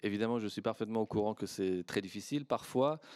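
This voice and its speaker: A man's voice, with ordinary pitch variation, comes through dry and close with no echo on a very clean recording against a silent background. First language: Persian (speaking French). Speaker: historian, senior lecturer in the UK. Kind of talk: panel discussion answer. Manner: halting, many hesitations.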